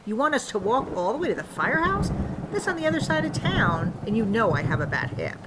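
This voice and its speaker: An older small-town woman, snobbish and easily affronted, speaking in a huffy, self-pitying way. It is audio drama, with clear storm ambience and noise around the voice. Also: a little high, very animated, fairly quick. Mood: offended, snappish.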